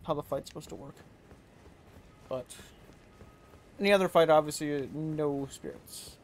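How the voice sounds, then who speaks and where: A man in his twenties from the United States talks to himself casually while streaming a game, his commentary offhand and mumbly. His voice is fairly high and his pace measured, with a little hiss or hum and game music playing underneath.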